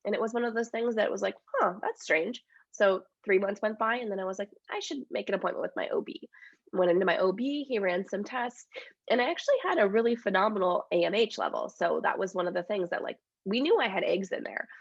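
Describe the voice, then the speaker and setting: Congested woman with a gravelly voice. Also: medium pitch, animated, fast, no room sound, dull audio. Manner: open, chatty, many fillers. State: congested from a cold. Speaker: dietitian and author, interview guest. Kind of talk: casual interview chat.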